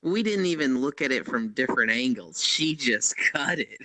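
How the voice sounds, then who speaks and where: A man's voice: medium pitch, expressive, moderate pace, sharp tone, soft background music, low-quality recording. A man chatting on a stream in a playful, giggly way. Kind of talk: casual chat.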